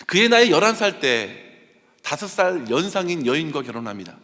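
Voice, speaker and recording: Male pastor, sermon, storytelling to fervent appeals, high lively voice, church hall reverb. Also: a little fast. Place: church sanctuary.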